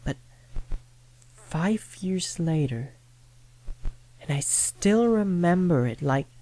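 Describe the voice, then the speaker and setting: A woman narrating a first-person scary story in a dramatic, deliberate manner with suspenseful pauses. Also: fairly low pitch, expressive, mellow, low-quality recording. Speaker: horror story reader. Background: background music.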